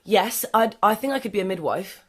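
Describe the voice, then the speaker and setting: A woman's voice: mid-range voice, animated, a little fast, fairly bright tone, breathy edge. A woman, an actress, chatting as a podcast guest. She rambles, stops and restarts her sentences, and laughs easily. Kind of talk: casual interview chat.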